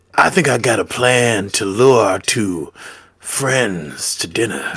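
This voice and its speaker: A man puts on a raspy character voice at medium pitch, speaking fairly slowly with lively intonation. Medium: actual play.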